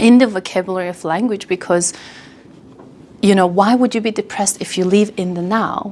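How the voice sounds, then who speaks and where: A fairly quick-paced woman at a medium pitch with fairly even intonation. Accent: Mongolian. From Mongolia. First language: Mongolian. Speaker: speaker on mindfulness. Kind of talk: talk to audience.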